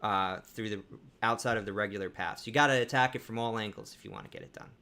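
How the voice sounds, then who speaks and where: A man co-hosting a live panel talk, speaking in a relaxed, conversational way with frequent restarts. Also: fairly low pitch, quick pace, vocal fry. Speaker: co-host.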